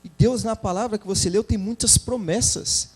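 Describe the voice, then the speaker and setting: A man's voice: high voice, normal speed, darkish tone, husky. A man co-hosting a Christian television program, speaking earnestly and exhorting listeners to forgive. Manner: earnest, exhorting, uses examples from family life. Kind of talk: religious talk show discussion.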